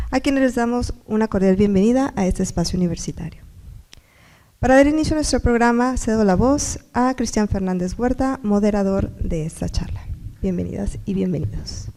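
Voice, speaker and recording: A woman's voice: mid-range voice, warm tone. A woman announces an academic event in a formal, scripted welcome.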